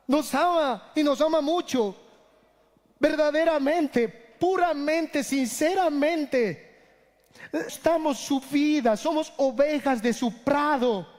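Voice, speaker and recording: A middle-aged male pastor preaching an impassioned sermon, dropping low and quiet for emphasis. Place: church hall. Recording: long hall reverb.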